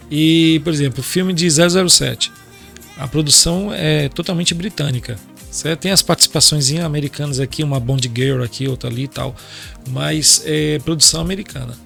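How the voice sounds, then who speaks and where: A man's voice: a little high, gravelly, a bit bright. A Brazilian man hosting a podcast, chatting casually and asking his guests lots of questions. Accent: Brazilian Portuguese. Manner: chatty, asks many questions. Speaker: podcast host. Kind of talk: casual chat.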